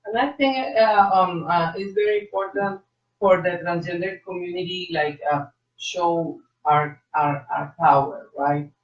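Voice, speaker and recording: A trans woman guest on a call-in radio discussion, speaking passionately in halting bursts with many repeated words. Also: fairly low pitch. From South Florida. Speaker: guest, agency leader. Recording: echoey, distant, dull sound.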